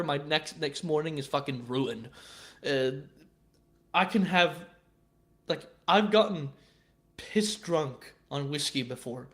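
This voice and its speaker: A man's voice: fairly high pitch, fairly bright tone. Rambling, cursing young man on a live stream. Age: 20s. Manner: rambling and profane, with frequent stammered restarts. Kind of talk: casual live-stream chat.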